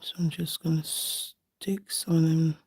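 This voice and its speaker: A slightly hoarse woman chatting casually and affectionately on a live nail art stream, often thinking aloud as she works. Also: low-pitched, steady tone, measured pace, a little mellow. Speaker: nail art livestream host. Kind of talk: casual live chat while doing nails.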